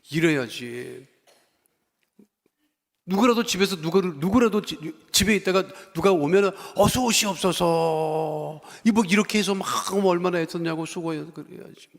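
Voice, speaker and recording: A middle-aged man preaching a folksy, joking sermon, acting out quoted voices and building to loud appeals. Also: fairly high pitch, lively intonation, normal speed. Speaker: pastor. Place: church sanctuary. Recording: long church hall reverb.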